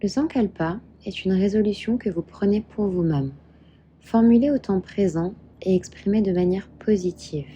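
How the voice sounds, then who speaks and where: A woman guiding a meditation as a yoga instructor, calm and soothing, giving measured instructions. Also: medium pitch, breathy edge, muffled recording. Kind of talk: guided meditation narration. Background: soft background music.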